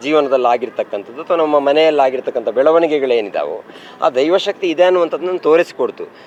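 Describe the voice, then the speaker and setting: With noticeable background noise behind him, a man speaks at a fairly high pitch with ordinary pitch variation. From Tulu Nadu, coastal Karnataka. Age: 30s. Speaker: head of a traditional shrine family. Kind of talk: interview.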